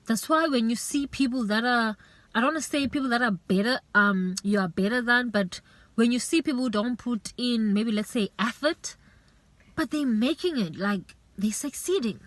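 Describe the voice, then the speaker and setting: A woman's voice: a little high, normal speed, fairly bright tone, no room sound. Earnest woman urging viewers on. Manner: earnest, urging and repetitive, with many restarts and "you know". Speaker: vlogger. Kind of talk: faith-based motivational talk to camera.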